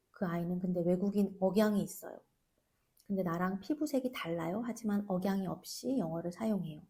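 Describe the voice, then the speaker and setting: A woman hosting a Korean-learning podcast, explaining a book in a soft, thoughtful way and asking listeners questions. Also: medium pitch. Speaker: Korean teacher and podcast host.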